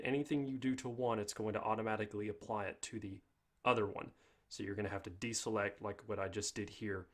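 A man narrating a software tutorial in an informal, step-by-step way. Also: fairly low pitch. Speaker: tutorial host.

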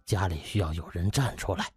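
A man's voice: sits low, animated, fairly quick, slightly rough, faint music behind, voice pushed down, full character voice. A man voicing a world-weary, stern old husband in a dramatised audiobook. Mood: somber, weary.

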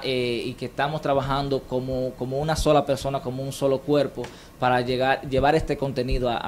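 A man's voice: mid-range voice, slight background noise. A man around his forties with a Dominican Caribbean Spanish accent, speaking emphatically as a guest in a TV studio interview. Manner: emphatic, with repeated check questions. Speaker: studio guest presenting an anniversary campaign. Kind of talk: animated interview talk. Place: indoor TV studio. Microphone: handheld microphone.

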